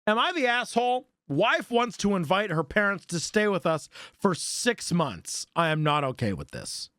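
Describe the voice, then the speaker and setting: A man's voice: sits high, very animated, moderate pace, pushed and bright, no echo. A man streaming, reading forum posts aloud and breaking off to react, swear and laugh.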